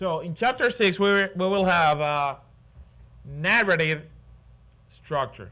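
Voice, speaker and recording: A man with a non-native accent speaks fairly slowly. His high-pitched voice has a bright, sharp tone. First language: not English. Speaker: Bible study teacher. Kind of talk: Bible study teaching. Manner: halting.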